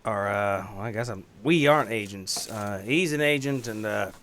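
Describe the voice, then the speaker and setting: A man's voice: fairly low pitch, moderate pace, fairly bright tone, slight background noise. A man chatting casually as a player in an improvised roleplaying game, with a hesitant, drawling delivery.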